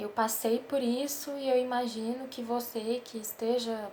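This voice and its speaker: A woman's fairly slow, somewhat breathy speech with fairly even intonation and audible room echo. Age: 20s. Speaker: law student and essay-writing tutor. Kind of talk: casual educational vlog. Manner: conversational with frequent fillers.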